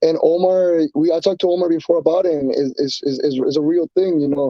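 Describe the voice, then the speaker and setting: A man with a Spanish accent talks at a very fast pace in a high pitch, his intonation fairly even. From Colombia (Bogotá), teens in Miami. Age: 30s. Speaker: mixed martial arts fighter. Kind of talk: casual interview chat. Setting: live podcast. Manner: halting, many repetitions and fillers.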